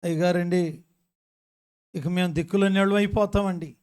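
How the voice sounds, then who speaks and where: A man's voice: high-pitched, fairly even intonation, normal speed, darkish tone, clear, resonant tone, natural voice. A man voicing a panicked, tearful housewife who pleads with her pastor on the phone. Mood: wailing, pleading. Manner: wailing, pleading.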